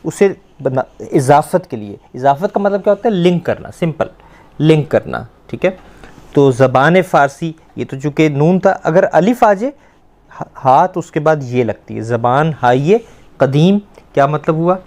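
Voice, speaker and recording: A man teaching a language lesson, explaining step by step, repeating words slowly and quizzing a student. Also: fairly high pitch, lively intonation, darkish tone.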